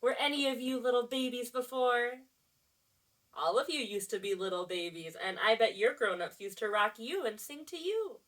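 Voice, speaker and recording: A woman teacher reading a picture book aloud to young children, with simple, repetitive, expressive phrasing and friendly asides to the listeners. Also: a little high, moderate pace, poor audio.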